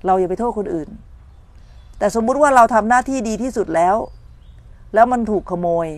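A woman's voice: a little high, brisk, no echo. A middle-aged woman meditation teacher giving a morning dharma talk, telling stories and checking that her listeners follow. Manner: storytelling, acts out complaining voices, checks listeners understand.

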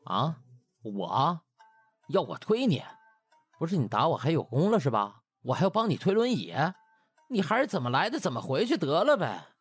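A man's voice: a little high, big pitch swings, normal speed, breathy edge, no echo, faint music behind, voice pushed up. A man voicing a cheeky, easily cowed young doctor who grumbles and protests in a comic audiobook. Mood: sarcastic, indignant. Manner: whiny, sarcastic, stammering protests. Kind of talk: comic audiobook drama acting.

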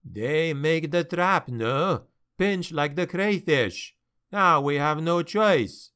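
A man voicing an excitable male sea captain with a French accent and broken, emphatic English. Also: fairly high pitch, slow pace, clean tone, full character voice. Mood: worried.

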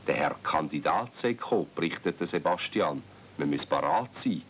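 Deep-voiced Swiss German male storyteller. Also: expressive, normal speed. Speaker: narrator. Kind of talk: storytelling narration for a children's radio play. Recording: dull 1970s recording with rumble.

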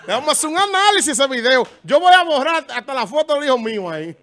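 A man's voice: extremely high pitch, big pitch swings, quick pace, a bit bright. A man co-hosting a casual gossip chat, teasing and emphatic.

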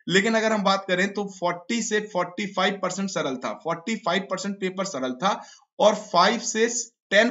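A hoarse man teaching a live online exam-prep class, quizzing students and repeating each answer. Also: high-pitched, sharp tone. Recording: dull lo-fi stream audio.

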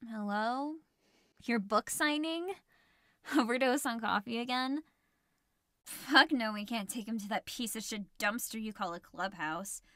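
A woman playing a blunt, irritable, sardonic young woman in a dry, low-key anime-style delivery. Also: unhurried, a bit bright, no echo. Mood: annoyed. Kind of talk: anime-style voice acting demo.

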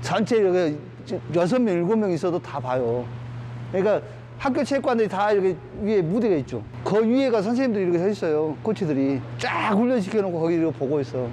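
A man's voice: sits high, lively intonation, quick pace, warm tone, a little hiss or hum, poor audio. A man coaching in a large indoor gym, explaining informally to trainees in plain, repetitive speech. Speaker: badminton coach.

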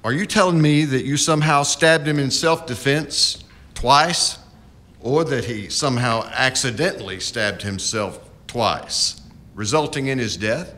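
A man's voice: medium pitch, pushed and bright. Man acting a formal, principled frontier justice. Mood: probing. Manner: formal, deliberate, lawyerly questioning. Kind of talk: radio drama acting.

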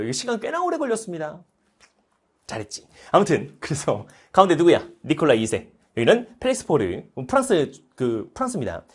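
A man in his thirties teaching history in a lively lecture, animated and playful, breaking into joking voices. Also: high voice, breathy edge. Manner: animated, playful, puts on mock foreign voices.

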